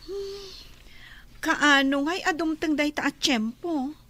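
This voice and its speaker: A high-voiced, earnest young Ilocano woman. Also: slow pace, sharp tone, heavily acted. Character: worried young woman who cooks for friends. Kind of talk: radio drama acting.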